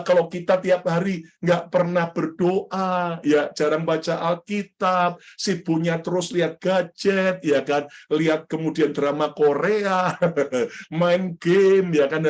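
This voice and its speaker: A male pastor delivers a lively sermon. He keeps turning to address his listeners directly and slips jokes and stories in among his points. His voice sits somewhat high for a man. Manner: lively, repeatedly addresses the congregation, jokey storytelling.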